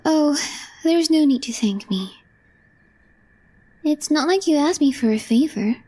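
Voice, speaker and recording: A woman playing a calm, deadpan young female coworker with a crush in an ASMR roleplay, speaking softly and breathily in measured, short phrases. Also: high voice. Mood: deadpan, shyly curious. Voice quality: soft, breathy, half-whispered. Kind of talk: intimate ASMR roleplay, scripted.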